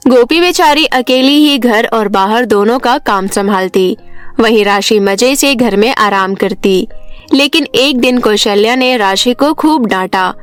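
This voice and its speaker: Woman reading a kids bedtime story, high voice, little bit of music behind. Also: measured pace, dry recording. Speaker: story narrator. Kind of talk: scripted children's story narration.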